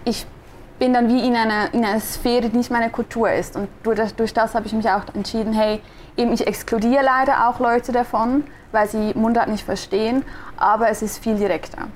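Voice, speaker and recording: A young woman from Switzerland speaks Standard German with a clear Swiss German accent, answering an interviewer in a reflective, searching way with frequent restarts. Her voice sits a little high, and a faint hiss of background noise runs under the recording. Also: steady tone, moderate pace, darkish tone. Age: young adult. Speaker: guest, designer and podcaster.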